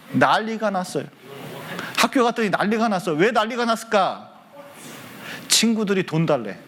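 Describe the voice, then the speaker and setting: A man's voice: sits high, slight background noise. A male pastor telling a story to children at church, often stopping to ask them questions. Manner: lively, asks the children questions. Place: church hall.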